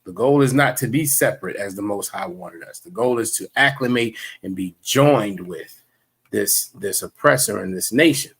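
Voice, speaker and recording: Husky low-voiced man preaching a class. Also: expressive, normal speed, fairly bright tone. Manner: preachy, repetitive, many fillers and restarts. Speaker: religious class teacher. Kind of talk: livestreamed religious lecture.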